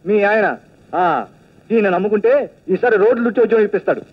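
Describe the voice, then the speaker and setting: A huffy young village man who argues back fast in a husky, raised voice. He is defiant and easily irritated. The sound is dull and lo-fi. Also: high voice. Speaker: young man, brother of the aunt.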